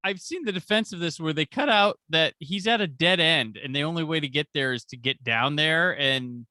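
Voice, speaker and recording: A man's voice: a little high, normal speed, sharp tone, clean tone, no room sound, studio quality. A man hosting a podcast in casual chat, recapping an episode with enthusiasm and jokey asides into a podcast microphone. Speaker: podcast host.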